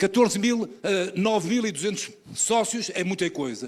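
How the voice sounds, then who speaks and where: With a European Portuguese accent, a man with a high pitch talks at a moderate pace and ordinary pitch variation. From Portugal. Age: 70s. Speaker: football coaches' association president. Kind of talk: conference talk.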